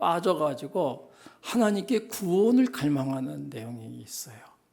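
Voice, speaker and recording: Audible room echo surrounds a man whose pitch makes very wide swings. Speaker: retired pastor, guest preacher. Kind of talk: sermon. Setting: church.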